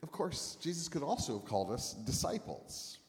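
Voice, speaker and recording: A man delivers a sermon to a congregation, speaking in short phrases and pausing often so an interpreter can follow. His pitch rises and falls in a lively way. The sound carries the long reverb of a large church hall. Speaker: preacher.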